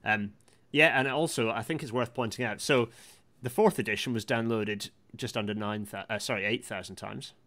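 Chatty, halting male livestream host. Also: fairly low pitch, fairly bright tone. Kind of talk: casual live chat hosting.

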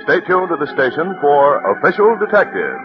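A man's voice: on the high side, very animated, fairly quick, over music. A male radio announcer reading closing credits in a formal, declamatory manner, heard on a dull 1940s radio broadcast. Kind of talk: scripted announcement.

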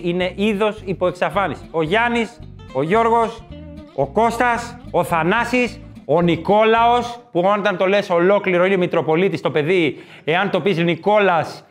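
A male comedian performing a stand-up monologue, riffing and mimicking people shouting names, with quick asides. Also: high-pitched.

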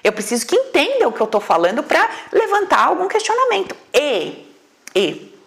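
Blunt, animated woman lecturing. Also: high-pitched. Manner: blunt and emphatic, fires rhetorical questions; swears casually. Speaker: therapist teaching a class. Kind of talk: spirited lecture to an audience.

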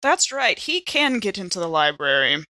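A woman's voice: fairly low pitch, sing-song, moderate pace, sharp tone, dry recording. A woman chatting casually as a player in a tabletop game.

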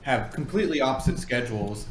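A man's voice: mid-range voice, expressive, fast, slight background noise. Hesitant male podcast host, roomy echo. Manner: hesitant, many "uh" and "um". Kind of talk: casual interview questions. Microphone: video call.

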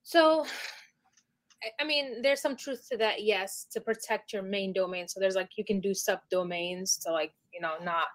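A woman's voice: medium pitch, normal speed. A woman speaking as a guest expert in an interview, explaining in a casual, chatty way with lots of "you know" and "like". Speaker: email marketing specialist, guest.

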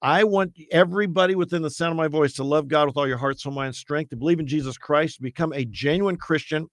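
A man who is a campus evangelist, talking as a radio interview guest in a loud, earnest, emphatic preacher's voice, often restarting his sentences. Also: on the high side, fast, no echo, studio quality.

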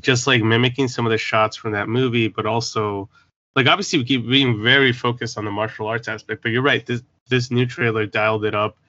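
Male podcast co-host, bright tense voice, jokey and rambling, lo-fi sound. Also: mid-range voice. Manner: joking, rambling with fillers. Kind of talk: casual podcast chat. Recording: dull lo-fi dry sound.

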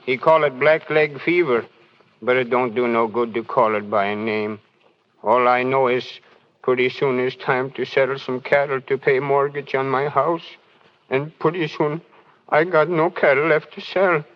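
An actor playing a worried immigrant cattle farmer who speaks halting, broken English, in an old radio drama. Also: male voice, medium pitch, fairly even intonation, lightly acted. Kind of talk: 1930s radio drama acting. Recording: dull old radio broadcast.

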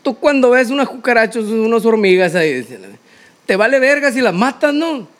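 A man with a Mexican accent in casual comedic chat, crude and slangy, telling stories in an animated, joking way. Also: extremely high pitch, moderate pace. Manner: crude, heavy slang and swearing. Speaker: podcast co-host.

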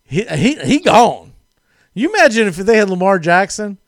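A man hosting a casual sports talk show, animated and jokey, laughing often as he talks. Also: high voice, normal speed, dry recording, clean studio sound.

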